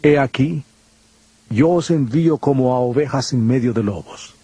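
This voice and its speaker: A man playing Jesus as a solemn, authoritative teacher, exhorting in measured phrases in a dramatized scripture reading. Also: medium pitch, dark tone, slightly rough, no echo, close to an everyday voice. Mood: grave, warning.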